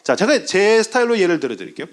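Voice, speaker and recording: A man's voice: high-pitched, big pitch swings, quick pace. A man preaching a sermon as pastor, telling stories and acting out the voices of people in his examples. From South Korea.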